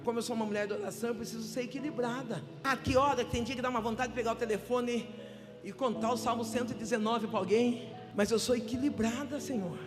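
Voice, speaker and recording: A woman pastor with a Brazilian Portuguese accent preaching a sermon, building up to shouted, fervent calls and speaking in tongues, recorded live in a church. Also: on the high side, steady tone, fast. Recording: live church reverb with music. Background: music.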